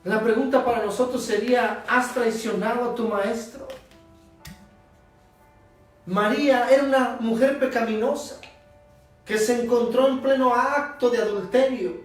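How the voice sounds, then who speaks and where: Pastor, male, high-pitched and unhurried, emphatic sermon with long pauses, recorded far off in a very roomy church over soft music. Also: steady tone. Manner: emphatic preaching with drawn-out pauses. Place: church sanctuary. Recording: echoey church, distant mic, soft instrumental music.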